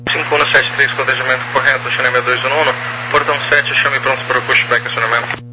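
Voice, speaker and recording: A man with a mid-pitched voice issues clearances as an air traffic controller. His phrasing is clipped and procedural, and it comes through a crackly, noisy radio channel. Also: flat delivery, racing. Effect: crackly radio transmission.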